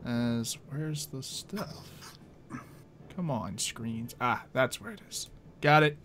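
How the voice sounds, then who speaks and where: A man's voice: mid-range voice, lively intonation, takes it slowly, a bit bright. A man casually narrating an online tabletop roleplay game as game master, in an informal storytelling way. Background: music.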